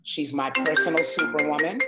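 A woman in her forties from New York, a singer chatting as a guest in an interview and telling stories in an expressive, emphatic way. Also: deep voice, a little fast, loud music behind the voice. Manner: warm, expressive storyteller with emphatic asides. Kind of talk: casual interview chat.

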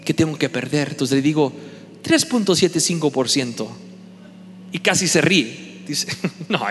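A male pastor preaches to his congregation, telling a story and acting out both sides of each phone call. His voice sits a little high for a man. The sound rings with the long reverb of a large hall, with soft music faintly underneath. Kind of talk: sermon storytelling.

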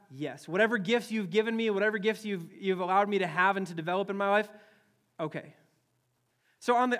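Man, pastor, sermon, animated, high voice, quick delivery. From Wisconsin, US Midwest. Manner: animated, acts out quoted voices, many restarts.

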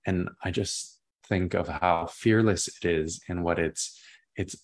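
A young man with a naturally deep voice, a playwright, answers interview questions expansively and enthusiastically, drifting into tangents and repeating words. His tone stays steady and his pace is slow.

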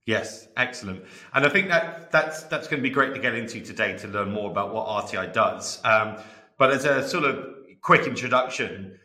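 A man's voice: fairly low pitch, animated, moderate pace, pushed and bright, reverberant. A man hosting a podcast, introducing the show and asking questions in an upbeat way with many fillers. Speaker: podcast host.

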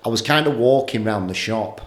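A man's voice: mid-range voice, a little fast, roomy sound. A man hosting a casual podcast who swears freely and asks probing questions. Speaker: podcast host.

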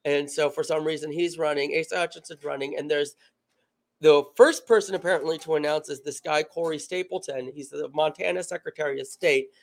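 A young man with a somewhat high voice co-hosts a relaxed political chat from a bar table. He talks in an easygoing way and keeps dropping in quick "yeah"s and agreements while his co-host speaks. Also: creaky. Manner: chatty, chimes in with quick agreements.

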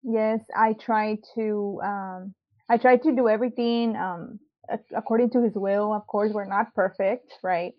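A woman's voice: medium pitch, fairly even intonation, unhurried. Young woman, hesitant, dull lo-fi sound. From Mexico, raised in South Texas. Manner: hesitant, many ums and likes, laughs easily. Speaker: interview guest, musician. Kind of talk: casual personal testimony.

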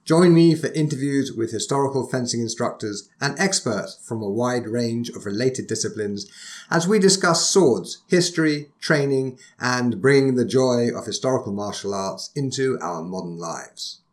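A man's voice: mid-range voice, expressive, moderate pace. A man hosting a podcast, chatting casually and joking, laughing often. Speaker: podcast host. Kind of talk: casual interview chat.

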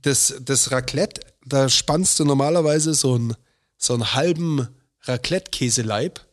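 A man's voice: mid-range voice, normal speed. A man hosting a casual podcast chat, presenting facts and explaining with restarts and hesitations.

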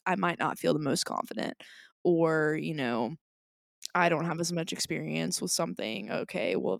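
A woman's voice: fairly low pitch, vocal fry, dry recording, clean studio sound. A young woman co-hosting a podcast, talking in a rambling, passionate way with lots of "like" fillers. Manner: rambling, animated, many "like" fillers; self-described loud and passionate. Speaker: podcast co-host. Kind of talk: casual chat.

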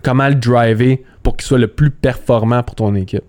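A man's voice: mid-range voice, moderate pace. Give me a man with a Quebec French accent talking casually as a sports analyst guest, mixing in English terms. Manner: relaxed, repeats words, drops English terms. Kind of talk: casual interview talk.

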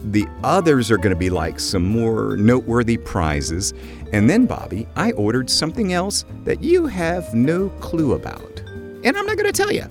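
A man's voice: medium pitch, moderate pace, music in the background. A man co-hosting a podcast, teasing and joking in casual banter. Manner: playful, teasing, lively. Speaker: podcast co-host.

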